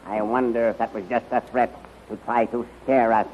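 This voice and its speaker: A man's voice: medium pitch, little pitch movement, normal speed, close to an everyday voice. An actor playing a wary henchman to an alien queen in a 1930s radio serial, on a muffled, noisy recording. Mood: wary, deferential.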